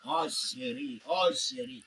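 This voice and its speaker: Man playing a hushed, coaxing amorous husband. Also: very high voice, huge pitch swings, takes it slowly, vocal fry, husky, heavily acted. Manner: hushed, wheedling, repetitive. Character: coaxing amorous husband calling his darling to bed. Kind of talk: mocking skit within a sermon. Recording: distant mic with faint background noise.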